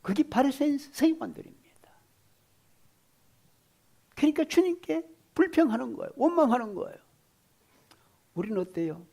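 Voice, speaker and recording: A male pastor preaching a sermon, swinging from loud exclamations to hushed whispers and asking the congregation questions. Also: very high-pitched, animated, moderate pace, creaky, pauses often.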